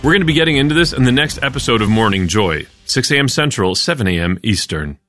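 A man, a morning show host, giving a soft, thoughtful promo for his show. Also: medium pitch, expressive, fast talker, faint music behind.

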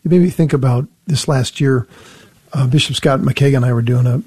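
Husky, dark-voiced man telling a story. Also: brisk, dry recording. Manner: animated, rising pitch when moved. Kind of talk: casual conversation, storytelling.

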